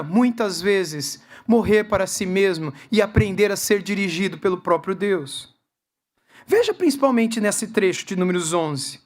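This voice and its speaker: A man, preaching a sermon at a church congress and putting lively rhetorical questions to the congregation. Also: extremely high pitch, vocal fry. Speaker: guest preacher.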